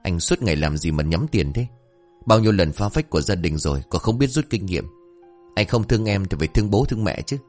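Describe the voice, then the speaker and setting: A man's voice: low-pitched, animated, brisk, darkish tone, faint music behind. A man voicing an exasperated young sister. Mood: exasperated scolding. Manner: exasperated, scolding. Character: gentle dutiful young woman, scolding her wayward brother.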